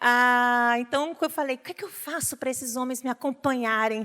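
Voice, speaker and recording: A woman with a Recife accent, high-pitched and bright and sharp in tone, at a moderate pace on a very clean recording with a silent background. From Recife, Brazil. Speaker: educator, school association director. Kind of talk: church lecture. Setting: church.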